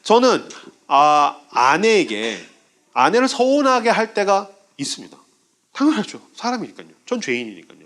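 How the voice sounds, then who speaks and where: A man's voice: sits high, huge pitch swings, normal speed, a bit bright. A man preaching a sermon as pastor, telling stories and acting out the voices of people in his examples. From South Korea.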